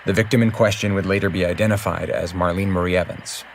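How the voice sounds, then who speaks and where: An actor playing a serious true-crime podcast host, narrating in a measured, scripted way. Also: male voice, deep voice, fairly even intonation, vocal fry, a little hiss or hum. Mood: grave.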